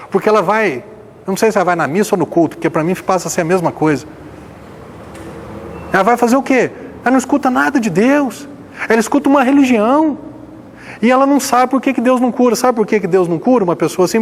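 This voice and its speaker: A man preaching a sermon as pastor, firing rhetorical questions and swinging between loud emphasis and hushed passages. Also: high-pitched.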